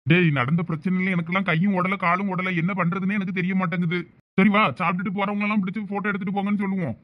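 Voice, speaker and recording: A man's voice: high voice, level tone, very fast, highs cut off, close to an everyday voice. A man voicing a flustered young village husband in a comic cartoon family drama, with a Thoothukudi Tamil accent and a pleading, coaxing manner. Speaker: cartoon voice actor.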